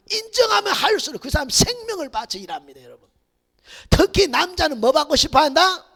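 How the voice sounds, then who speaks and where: A man preaching a Sunday sermon as pastor, swinging between shouted exhortation and hushed near-whispers. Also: very high-pitched. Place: church sanctuary. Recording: reverberant church hall.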